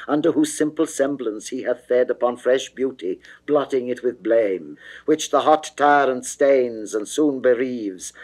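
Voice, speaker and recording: Man acting a proud, indignant young man, slow declamation. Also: medium pitch, poor audio. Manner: emphatic, declamatory, measured. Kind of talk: classical dramatic verse reading.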